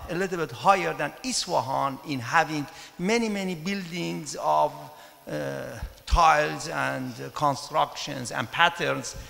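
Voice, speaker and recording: Gravelly middle-aged Persian-accented man in a hall. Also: on the high side, fairly bright tone. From Iran. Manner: hesitant, halting delivery with frequent pauses. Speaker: mathematics professor and conference speaker. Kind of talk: informal conference presentation. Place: large conference hall, indoors at a podium. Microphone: handheld microphone. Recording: echoey hall with long reverb.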